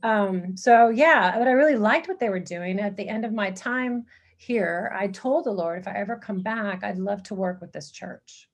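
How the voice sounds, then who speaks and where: A woman's voice: mid-range voice, moderate pace, slightly rough. A woman from Texas, a missionary guest, answering interview questions in an easygoing way with frequent fillers. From San Antonio, Texas.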